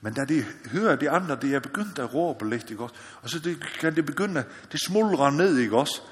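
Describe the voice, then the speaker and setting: Long reverb from a church or meeting hall surrounds this Faroese missionary preacher as he sermonizes with earnest, searching intensity. He keeps asking his listeners "ikke også?" and climbs to loud calls, his fairly high voice full of expression.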